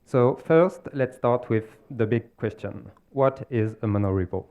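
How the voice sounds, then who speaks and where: A man with a French accent giving a technical conference talk, explaining step by step with pauses and self-corrections. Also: mid-range voice, dark tone, lo-fi sound. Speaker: conference speaker. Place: conference stage.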